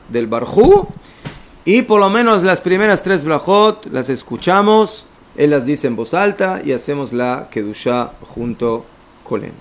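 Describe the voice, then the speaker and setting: A man's voice: medium pitch, slight background noise. A man teaching an informal religious law lesson, explaining step by step and checking in with his listeners. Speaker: rabbi teaching a class.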